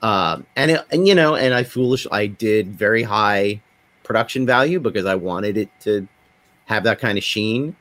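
A man's voice: fairly low pitch, expressive, moderate pace, a bit bright, no room sound. A middle-aged man telling anecdotes conversationally in a panel discussion, slipping into quoted dialogue as he goes. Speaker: podcast panelist, independent filmmaker.

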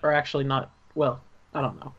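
A man's voice: mid-range voice, little pitch movement, brisk, husky. A man with a Southern US accent chatting casually about making his film, laughing easily and often restarting words. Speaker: writer and director. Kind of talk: casual commentary chat. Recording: dull lo-fi sound.

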